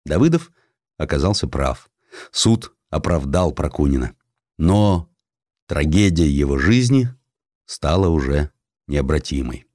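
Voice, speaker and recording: A man reading a historical story as an audiobook narrator, in an expressive, dramatic literary style. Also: a bass voice, unhurried, long pauses, dry recording, clean studio sound. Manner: expressive, acting out quoted dialogue.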